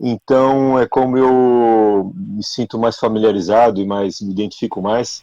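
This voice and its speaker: A man's dark, mellow tone at a very slow pace. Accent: Santa Catarina. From southern Brazil, Blumenau, Santa Catarina. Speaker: sailor, sailboat captain. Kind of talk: casual interview chat.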